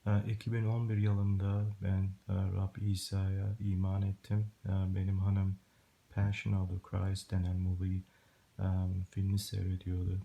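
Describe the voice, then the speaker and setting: A middle-aged man from Germany giving a personal religious testimony in halting, broken Turkish, searching for words like a long-time emigrant. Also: low voice, completely flat delivery, vocal fry, mellow, muffled recording. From Germany, born and raised. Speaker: Christian testimony video maker. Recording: hissy home recording with clicks.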